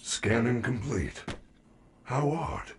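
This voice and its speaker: A man voicing a large, gentle care robot bear mascot in a video game, speaking in a polite, formal, unhurried way. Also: mid-range voice, big pitch swings, background noise. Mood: gentle, caring. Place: game audio on a let's-play stream.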